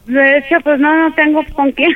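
A woman's voice: high-pitched, flat delivery, moderate pace. A woman, rambling shyly with many fillers on the phone. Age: 40s. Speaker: caller on the phone. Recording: tinny phone line.

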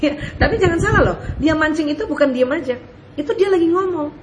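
A woman preacher answers listener questions in a casual, chatty way. Her voice sits fairly high and is animated, with frequent rhetorical questions and light laughter. A faint hum of ambience is heard behind her. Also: quick pace. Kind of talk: casual advice talk.

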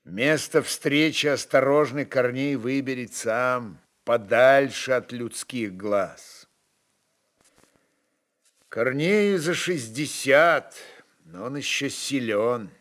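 A man's voice: mid-range voice, takes it slowly, a bit bright. A man narrating a literary story for radio in a dramatic reading style.

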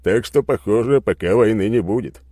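A man voicing a calm, matter-of-fact male comrade soldier in an audiobook. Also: lowish voice, normal speed, no room sound, studio quality, pitched above the performer's own voice, natural voice.

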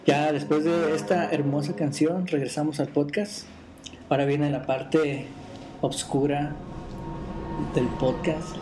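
A man's voice: a little high, level tone, takes it slowly, crowd noise. A man hosting a podcast, chatting casually and reading stories aloud. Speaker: podcast host.

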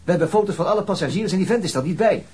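An actor playing an excitable, puzzled policeman in a Dutch radio drama. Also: high voice, very fast, husky, exaggerated voice. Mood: agitated, puzzled.

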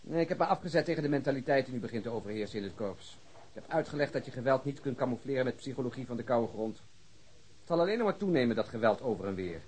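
An actor playing an embittered, principled middle-aged police detective in a radio drama, gruff and outspoken. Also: male voice, medium pitch, expressive, quick pace, a little mellow, natural voice. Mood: indignant. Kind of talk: radio drama acting in Dutch.

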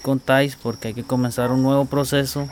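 Halting man in field interview. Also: mid-range voice, flat delivery, darkish tone. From Costa Rica. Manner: halting, repeats words while searching. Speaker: indigenous community spokesman. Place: outdoors in a rural community. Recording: outdoor field recording with clear background noise.

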